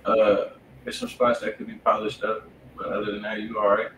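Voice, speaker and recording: An American man co-hosts a live music review in casual, profane slang. His voice is low and quite monotone. The sound is roomy and noisy, picked up away from the mic. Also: a little fast, recorded from a distance. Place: indoor room, live stream.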